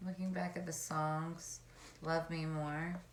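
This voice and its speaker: Low-voiced hoarse woman reading tarot. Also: flat delivery, slow pace, very noisy. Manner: chatty and meandering, musing aloud. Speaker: tarot reader. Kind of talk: casual tarot card reading. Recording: echoey room.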